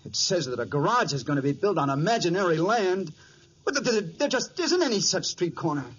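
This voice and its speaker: An actor playing an eager, brisk young contractor and ex-soldier in a 1940s radio drama. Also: male voice, high-pitched, very animated, a bit bright. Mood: puzzled, indignant. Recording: noisy, dull 1940s radio recording.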